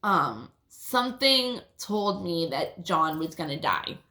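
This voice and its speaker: A woman's voice: fairly low pitch, very animated, takes it slowly, sharp tone. A woman with a lisp telling a rambling personal story in a casual, swear-filled way, often restarting her sentences. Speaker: vlogger. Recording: roomy echo.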